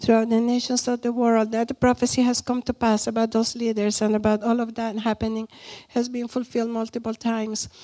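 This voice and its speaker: Monotone, flat intonation comes in a dark, mellow tone, the sound dry and close with no echo. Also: woman. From small village. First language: not English. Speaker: conference speaker, prophetic minister. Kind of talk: sermon with prayer and prophetic words. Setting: church with audience.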